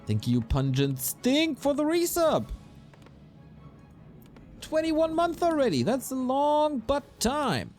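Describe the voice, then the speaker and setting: A man casting an esports match play by play, his voice a little raspy, breaking into quick bursts of excitement at big plays. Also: very high voice. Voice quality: slightly raspy. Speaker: esports caster. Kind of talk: play-by-play game commentary. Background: game music.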